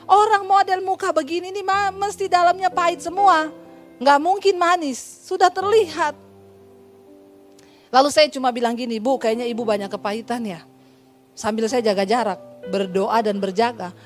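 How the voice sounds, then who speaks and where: A woman pastor with an Indonesian accent preaching a sermon, telling stories lively and acting out the voices of the people in them with humorous asides. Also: sits high, normal speed, faint music behind. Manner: lively storytelling, acts out dialogue, humorous asides.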